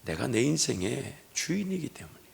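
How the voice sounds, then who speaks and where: A male pastor preaching a sermon, moving between hushed, whispered prayer and loud, animated storytelling. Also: medium pitch, brisk, creaky. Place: church sanctuary. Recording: echoey church hall.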